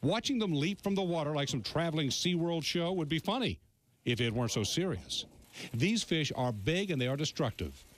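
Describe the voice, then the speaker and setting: A man's voice: a little high, expressive, normal speed. An American man narrating a scripted TV news feature as a reporter, with dramatic, emphatic storytelling.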